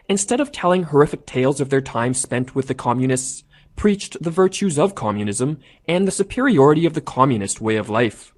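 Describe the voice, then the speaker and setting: A man reading a scripted documentary narration in a measured, formal way. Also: mid-range voice. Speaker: narrator of an essay video.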